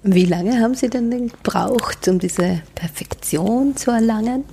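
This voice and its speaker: A woman's voice: on the high side, measured pace, gravelly, dark tone, a little hiss or hum. A woman interviewing a guest, asking probing follow-up questions. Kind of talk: radio-style interview.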